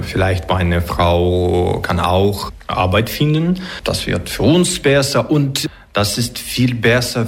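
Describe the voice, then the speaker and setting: Ukrainian-accented man, low gravelly voice, slow hesitant guest answers. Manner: halting learner's German with many pauses. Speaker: interview guest, refugee. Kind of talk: casual interview.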